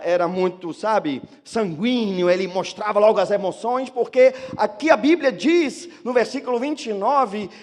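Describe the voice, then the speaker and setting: A man with another first language preaching a lively sermon as a pastor, acting out the excuses people give. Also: very high voice, long reverb tail. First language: not Portuguese. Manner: animated, acts out excuses of churchgoers.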